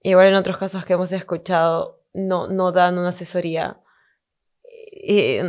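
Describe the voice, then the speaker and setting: A woman's voice: fairly low pitch, steady tone, normal speed, darkish tone. A woman hosting a podcast, interviewing a guest and commenting indignantly on the justice system. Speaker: podcast host.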